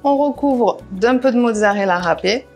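A woman's voice: a little high, moderate pace, faint music behind. A woman walking through a recipe step by step in a casual cooking voice-over, with practical asides. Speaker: cooking vlogger. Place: home kitchen.

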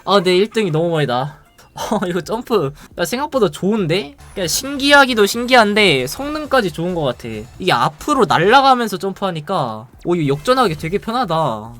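A game streamer giving live gameplay commentary in an excitable, playful way, reacting quickly and laughing often. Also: mid-range voice, faint music behind.

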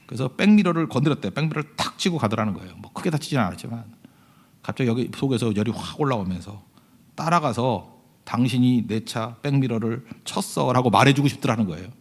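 A male pastor giving a conversational sermon. He tells stories, keeps asking the congregation to agree, and swings from loud emphasis to hushed asides. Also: mid-range voice, lively intonation, fast, slightly rough. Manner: conversational storytelling, often asking the congregation "right?".

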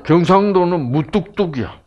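A man's voice: high voice, expressive, normal speed, dull audio. A man with a Gyeongsang Korean accent giving a humorous lecture to an audience as a health program lecturer, telling jokes like a storyteller and asking the audience questions.

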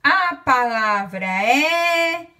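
Dictating a word lesson to small children, a Brazilian teacher with a Brazilian Portuguese accent speaks very slowly, counting aloud and drawing out every word. Her animated voice is high and bright.

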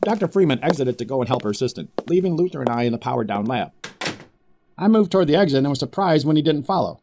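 Man acting animated corporate boss in echoey room. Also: mid-range voice, fast talker, noisy background, natural voice. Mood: measured, wry. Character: corporate facility boss and father, measured, suspicious, hesitant. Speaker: actor in an audio drama. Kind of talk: first-person narration and dramatic dialogue. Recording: roomy echo with music behind.

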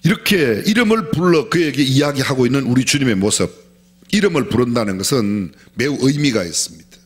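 A male pastor preaching a sermon in an animated way, asking the congregation questions and acting out quotes. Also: mid-range voice, a little fast, breathy edge. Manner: animated, often acts out quoted speech; asks the congregation questions directly.

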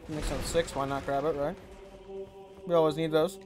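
Young guy streaming a game, mutters to himself, bit high voice, game music under it. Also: steady tone, moderate pace. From United States. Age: 20s. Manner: offhand, mumbling, self-talking. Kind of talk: casual gameplay commentary.

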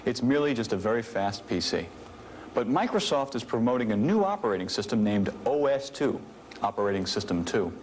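A man in his thirties giving a scripted, methodical training film presentation as an instructor on a vintage video soundtrack. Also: on the low side. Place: indoor studio set with office equipment. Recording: faint noise, vintage 1980s video soundtrack.

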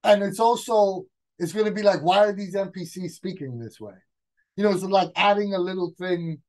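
A man, brainstorming a game scenario as a guest game master in casual chat, talking excitedly with frequent restarts. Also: high-pitched, normal speed, poor audio.

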